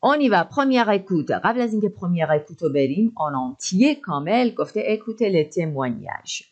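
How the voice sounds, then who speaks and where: A woman teaching an online French lesson, saying phrases slowly in French and then explaining them quickly in Persian. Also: mid-range voice, very animated, a little mellow, lo-fi sound.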